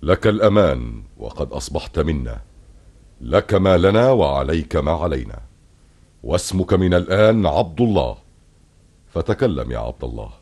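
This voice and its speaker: An actor playing a stern but magnanimous medieval Arab commander in a classical Arabic historical drama, speaking with solemn authority. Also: male voice, a bass voice, very animated, moderate pace, pauses often, darkish tone, breathy edge, exaggerated voice. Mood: commanding.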